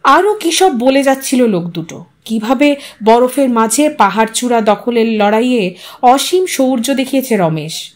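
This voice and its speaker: A woman narrating a scripted literary audio story in an expressive, dramatic storytelling manner. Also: fairly high pitch.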